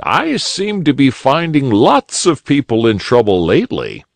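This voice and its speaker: A man voicing a jolly, kindly old male rabbit gentleman in a storybook reading. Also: mid-range voice, huge pitch swings, a little slow, creaky, no room sound, voice pushed up, heavily acted. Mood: cheerful.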